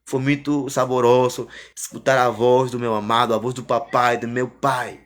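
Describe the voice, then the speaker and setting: A man giving an emotional religious testimony as a preacher, fervent and repetitive, often rising and then falling soft. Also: mid-range voice, little pitch movement, moderate pace.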